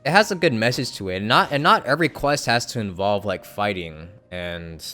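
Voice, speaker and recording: A young man streaming a game and talking over it in a relaxed, rambling way. His voice sits on the lower side, full of "like" and "you know", with occasional swearing. Faint game music plays underneath. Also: a little fast. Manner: rambling, with hedges, fillers and casual swearing. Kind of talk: casual live-stream commentary.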